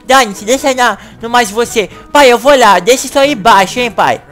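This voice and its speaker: A woman hosting a gaming channel, acting in a comedic video-game animation with an excitable, whiny way of talking. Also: fairly high pitch, soft background music. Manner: excitable, whiny, fast bursts.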